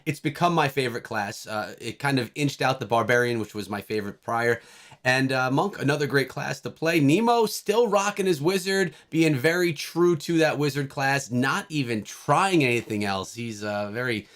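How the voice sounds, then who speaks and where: A man's voice: medium pitch, animated, moderate pace, a bit bright. Upbeat male podcast host. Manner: upbeat, guides the conversation. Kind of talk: casual podcast hosting.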